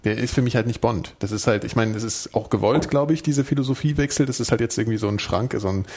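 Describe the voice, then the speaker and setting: A man's voice: mid-range voice, fast, darkish tone. A man co-hosting a podcast in casual chat, rambling and joking with firm opinions. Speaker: podcast co-host.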